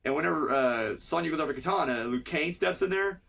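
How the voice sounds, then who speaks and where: A man's voice: fairly high pitch, lively intonation, a little fast, gravelly, a bit bright, far from the mic. A man with a cold recapping a cartoon episode in a rambling, profane, casual way. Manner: rambling, profane, filler-heavy. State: has a cold.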